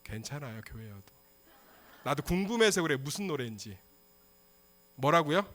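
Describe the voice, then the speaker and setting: A male pastor preaching a sermon with passion, moving between hushed, quiet lines and loud outbursts. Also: on the high side, big pitch swings, normal speed.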